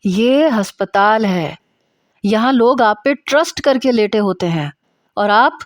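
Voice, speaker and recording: A woman's voice: medium pitch, no room sound, natural voice. A strict, angry male doctor in an audio story, acted out by a woman. The delivery is harsh and emphatic, every phrase a reprimand. The sound is dry, with no room around it. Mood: loud, furious. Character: stern, furious male senior doctor scolding a trainee.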